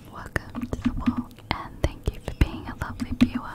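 The voice is soft-spoken, talking in a whisper. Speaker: gamer. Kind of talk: casual gameplay commentary. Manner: soft ASMR whisper. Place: home room.

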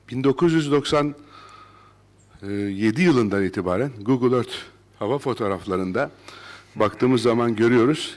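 A man's speech has a moderate pace and ordinary pitch variation. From Istanbul, Turkey; Turkey. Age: 60s. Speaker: audience member. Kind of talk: public comment at seminar. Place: hall.

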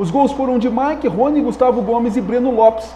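Over noticeable background noise, a man with an extremely high pitch talks at a fairly quick pace. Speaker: sports reporter. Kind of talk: sports news segment. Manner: animated.

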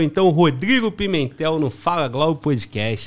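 Very wide pitch swings in a man's speech, recorded very cleanly against a silent background. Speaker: podcast host. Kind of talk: casual chat.

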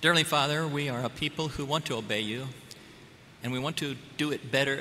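Light background noise sits behind a man speaking at a moderate pace. His tone is bright and sharp, with fairly even intonation. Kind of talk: report introduction and public prayer. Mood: earnest, humble. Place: hall. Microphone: podium.

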